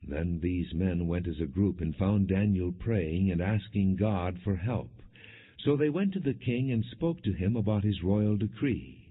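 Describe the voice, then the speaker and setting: A man narrating scripture as an audiobook in a solemn, measured way with deliberate pauses. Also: low voice, expressive, breathy edge. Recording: muffled phone-like lo-fi audio.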